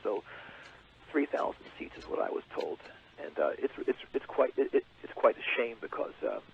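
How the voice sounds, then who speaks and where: A man's voice: mid-range voice, big pitch swings, gravelly. A man playing a pompous rock frontman on a phone line. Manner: pompous and self-important, halting with fillers. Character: boastful adult male rock frontman. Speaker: caller. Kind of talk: comedic call-in character. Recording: tinny phone line with hiss.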